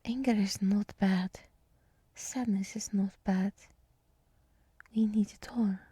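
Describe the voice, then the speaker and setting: A woman voicing a gentle, soothing deer woman who guides meditation in a whispered ASMR roleplay, speaking softly and reassuringly close to the microphone. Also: medium pitch, fairly even intonation, no room sound. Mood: earnest, tender. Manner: slow, soft, breathy, reassuring. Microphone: close microphone, dry.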